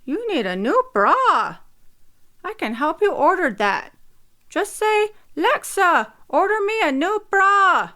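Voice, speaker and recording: A woman's voice: very high-pitched, big pitch swings, slow pace, sharp tone, pitched above the performer's own voice, heavily acted. A woman voicing her dead mother speaking through a smart speaker, scolding and tender by turns.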